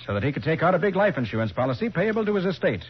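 A sharp, confident American detective in an old radio crime drama. He talks briskly and assertively with animated swings of pitch. The recording is dull and dated. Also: slightly rough. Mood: confident, accusing. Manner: assertive, explanatory, accusing.

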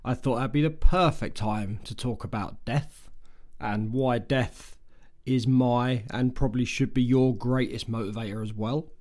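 Man with a cold, slightly croaky, casual chatty podcast host, repeats words, middle pitch. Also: a little slow, a little mellow. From United Kingdom. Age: 40s. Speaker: podcast host and health coach. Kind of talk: casual solo podcast talk.

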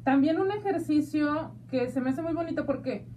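A woman with a Mexican accent hosting a talk show, chatty and playful, speaking warmly to her listeners. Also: high voice, moderate pace, distant mic, slight background noise. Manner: chatty and playful, calls listeners "hija de mi vida". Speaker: radio show host. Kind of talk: casual talk show chat.

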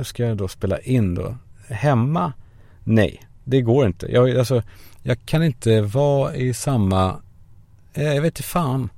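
Gravelly low-toned man rambling in a car. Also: a little mellow, no room sound. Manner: self-mocking, swearing, acts out voices in quotes. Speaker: podcast host. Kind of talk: rambling comic monologue. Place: parked car.

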